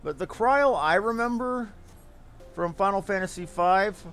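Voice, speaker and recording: A man's voice: sits high, animated, measured pace, a bit bright, faint music behind. A man giving casual commentary as he streams a game, sometimes muttering to himself.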